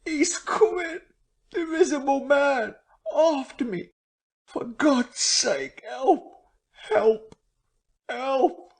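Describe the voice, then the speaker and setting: A man's voice: very high-pitched, animated, extremely slow, pauses often, voice pushed up, full character voice. A man voicing a weeping, terrified male tramp who shrieks and pleads in panic.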